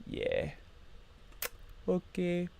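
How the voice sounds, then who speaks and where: A man's voice: extremely slow, mellow. A man hosting a casual live trading stream, chatting and muttering to himself as he checks charts. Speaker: livestream trading host.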